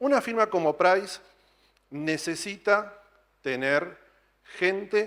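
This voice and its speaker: Speaking very slowly in an Argentine accent, a man uses a high pitch with very wide swings. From Argentina. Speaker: auditor and business executive speaker. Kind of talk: conference talk.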